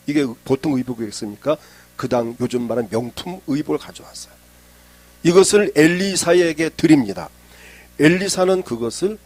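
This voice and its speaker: A middle-aged male pastor preaching a sermon, retelling a Bible story and acting out the characters' lines, with sudden loud emphasis and hushed low phrases.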